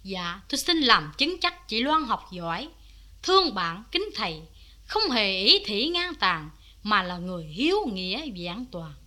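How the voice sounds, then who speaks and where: Sincere young friend, lively pitch, bright voice, composed. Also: female voice, measured pace. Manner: earnest, composed testimony.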